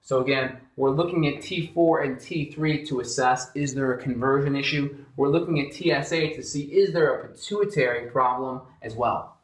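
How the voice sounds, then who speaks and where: A man who works as a functional medicine doctor gives a whiteboard health lesson on thyroid lab tests, often opening with "so again." His voice is mid-range and moderately paced, and the room sounds echoey.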